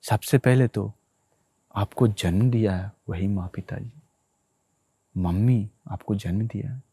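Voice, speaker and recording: Low mellow-voiced man giving a sermon. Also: slow, breathy edge, dry recording. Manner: repetitive storytelling, addresses listeners directly. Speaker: Buddhist monk preacher.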